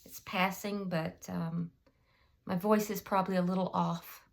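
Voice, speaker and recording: A woman with a slightly hoarse voice from a cold, giving a casual tarot reading and thinking aloud with frequent ums. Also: lowish voice, fairly even intonation, a little slow. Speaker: tarot reader.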